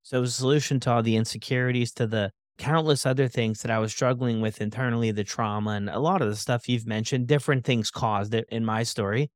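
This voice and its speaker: A man hosting a podcast, chatty and relaxed, often tagging "right?" onto his points. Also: mid-range voice, quick pace, hardly any pauses, no room sound, studio quality. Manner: relaxed, chatty, leans on fillers like "right?" and "you know". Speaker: podcast host. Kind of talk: conversational interview.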